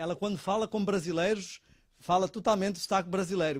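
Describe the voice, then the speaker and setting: The speaker is a man. He talks in a Lisbon accent. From Portugal, Lisbon. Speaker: pastor. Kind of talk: sermon introduction.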